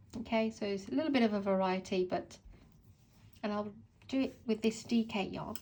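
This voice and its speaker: A woman with a British accent and a fairly high pitch talks at a fairly quick pace in a dark, mellow, somewhat breathy tone, with ordinary pitch variation and long, frequent pauses. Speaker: crochet tutor. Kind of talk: tutorial.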